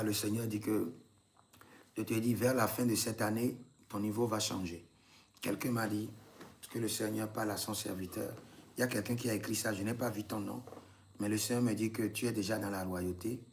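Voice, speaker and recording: A man's voice: fairly low pitch, creaky, slight background noise. A man, a prophet leading a live prayer session, repeating intense commands and breaking into tongues.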